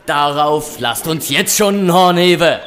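A man's voice: fairly high pitch, expressive, a little slow, a bit bright. A man playing a greedy, roguish medieval trader in a historical audio drama, talking colloquially with sly eagerness. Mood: boisterous. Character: greedy, roguish male traveling trader of twelfth-century legend.

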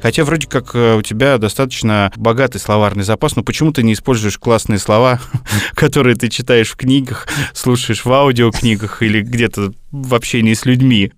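A man's voice: mid-range voice, a little fast, no room sound, studio quality. Man telling a story with many fillers. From Moscow region. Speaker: podcast co-host. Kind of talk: casual chat.

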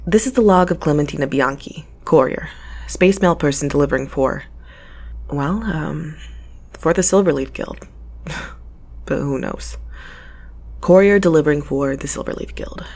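Rambling, low-voiced young space courier. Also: female voice, measured pace, pauses often, a little mellow, slightly rough, exaggerated voice. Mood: reluctant, wry. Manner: rambling, informal, hesitant. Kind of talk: naturalistic audio drama acting, logging aloud.

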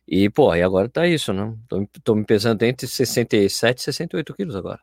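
A man's voice: lowish voice, animated, fast, creaky, dry recording, clean studio sound. A man chatting casually and animatedly, talking in loose run-on phrases full of fillers. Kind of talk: casual chat.

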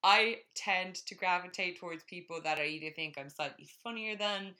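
A young woman from Ireland talks through her dating habits in a loose, self-deprecating ramble. Her voice is bright and sits a little low. She co-hosts a casual podcast. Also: normal speed. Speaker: podcast co-host. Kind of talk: casual chat.

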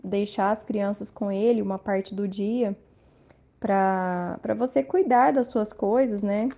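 A woman in her thirties with a Brazilian Portuguese accent, calmly sharing parenting tips from her own home life in an unhurried, soft-spoken way. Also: medium pitch, gravelly. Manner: soft-spoken, unhurried, frequent tag questions. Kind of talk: calm personal testimony.

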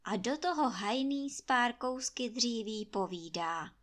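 A woman storyteller reading a fairy tale aloud in a lively, expressive way. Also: on the high side.

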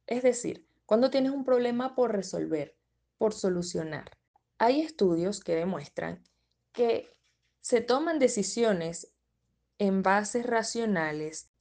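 A woman's voice: mid-range voice, darkish tone. A woman presenter explaining a topic in a methodical way, often restating her key terms. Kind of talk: explanatory talk.

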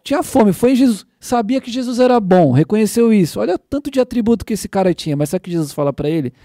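A man's voice: sits high, fast, dry recording, clean studio sound. A man hosting a casual faith podcast, telling a story with energy and acting out quotes. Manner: animated storytelling, acts out quotes. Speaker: podcast host.

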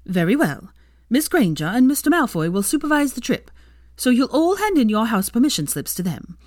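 A woman voicing a stern older headmistress who gives orders in a brisk, formal way. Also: fairly high pitch, very animated, darkish tone, dry recording, clean studio sound, voice pushed up.

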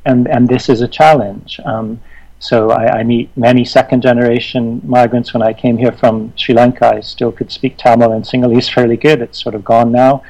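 A man from Western Canada, talking reflectively in conversation, thoughtful and halting with many restarts. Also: mid-range voice, flat delivery, darkish tone, highs cut off.

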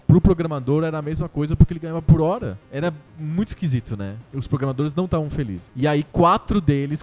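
Man from brazil, casual storytelling, mellow tone, faint music behind. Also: fairly high pitch. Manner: animated, laughs often.

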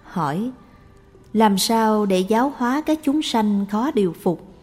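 A woman reading the questions aloud in a plain, even tone for a Buddhist question-and-answer recording. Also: mid-range voice, unhurried, husky. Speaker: reader of the questions. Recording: long reverb with faint background music.

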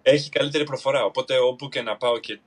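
A man's voice: medium pitch, fairly even intonation. A man from Greece chatting casually on a podcast over a video call, hesitant and full of fillers and restarts. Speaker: podcast guest.

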